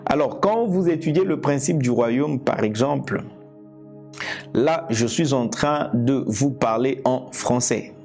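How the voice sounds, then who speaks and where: A man from Congo whose first language is Lingala, preaching a teaching sermon in a slow, deliberate way, repeating and restarting phrases. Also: medium pitch, creaky, a little mellow, faint music behind. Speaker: evangelist preacher. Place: indoors, seated.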